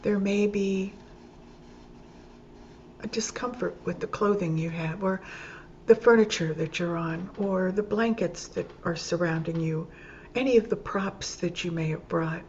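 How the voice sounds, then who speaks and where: A woman teaching yoga nidra, leading a guided meditation calmly and gently, in short phrases with pauses between them. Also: fairly low pitch. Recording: dull lo-fi sound with clear background noise.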